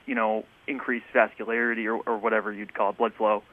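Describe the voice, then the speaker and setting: A man phoning in to a talk show, talking quickly through a thin, tinny phone line. He is an airline pilot in casual chat. He is hesitant, with frequent ums and restarts. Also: lowish voice, level tone. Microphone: telephone.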